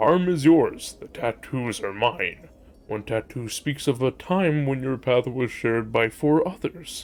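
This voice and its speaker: Using a put-on character voice, a man speaks with lively intonation at a moderate pace and medium pitch. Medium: game stream. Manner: slow, measured, enigmatic.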